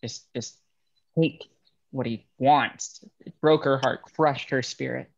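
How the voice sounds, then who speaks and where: A man playing a bitter young railroad worker in a dramatic table read, speaking in a halting, understated way. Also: mid-range voice, fairly even intonation, gravelly, lo-fi sound. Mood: bitter, subdued. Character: bitter young railroad man estranged from his ruthless father.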